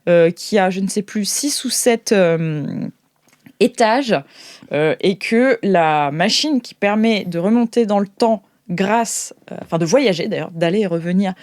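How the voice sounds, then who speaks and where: A woman's voice: medium pitch, measured pace, darkish tone, no room sound, clean studio sound. A woman hosting an improvised tabletop game, narrating in a conversational, hesitant way as game master.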